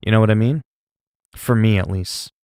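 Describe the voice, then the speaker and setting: Man, low gravelly voice, dry close sound, rambling gameplay chat. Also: normal speed, darkish tone, no room sound. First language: French. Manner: rambling, self-talk with laughs and asides. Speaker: gaming streamer.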